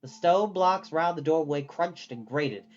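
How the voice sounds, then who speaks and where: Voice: mid-range voice, expressive, a little slow, muffled recording, soft background music. A storyteller reading a fantasy novel aloud as scripted storybook narration.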